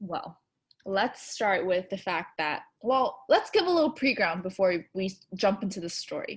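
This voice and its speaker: A woman speaks somewhat breathily at a fairly slow pace. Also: medium pitch for a woman, ordinary pitch variation. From Hong Kong. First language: Cantonese. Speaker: podcast host. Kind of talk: casual chat.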